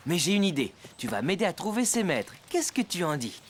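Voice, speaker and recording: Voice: mid-range voice, very animated, fairly quick, slight background noise, close to an everyday voice. An actor playing a kind, patient young father in a children's cartoon, over music. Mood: gentle, reassuring. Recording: loud cartoon music underneath.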